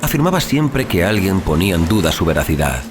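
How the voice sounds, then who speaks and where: A man narrating a horror audiobook in a measured, solemn, theatrical manner, as a dramatic scripted reading. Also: deep voice, big pitch swings, very noisy. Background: music.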